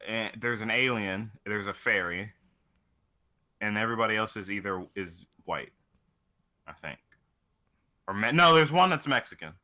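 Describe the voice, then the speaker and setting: A man's voice: on the low side, expressive, normal speed, pauses often, pushed and bright. A man chatting casually as co-host of a video game show, swearing freely as he goes. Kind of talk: casual chat.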